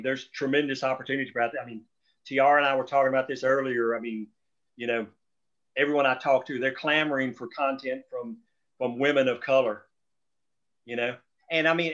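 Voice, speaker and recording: A man's voice: medium pitch, a bit bright. A man talking casually and emphatically on a group call, rambling through his opinions and sometimes swearing. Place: group video or phone call. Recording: dull, lo-fi call audio.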